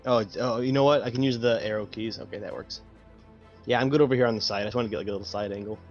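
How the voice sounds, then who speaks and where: A man's voice: medium pitch, fairly even intonation, racing. A man chatting casually as a player in a tabletop game. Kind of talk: casual chat. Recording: dull lo-fi mic with music behind.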